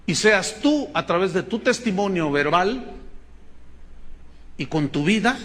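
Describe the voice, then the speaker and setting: A pastor with a Mexican Spanish accent preaches a sermon, telling stories and acting out quotes with emphasis. His voice sits high and a bit bright, with lively intonation and an unhurried pace.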